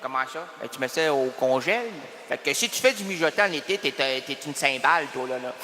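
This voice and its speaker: Lively Quebec man joking on the radio. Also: medium pitch, brisk, in a large hall. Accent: Quebec French. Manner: playful wordplay, teasing, repeating phrases. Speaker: radio host. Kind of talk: rambling comic radio monologue.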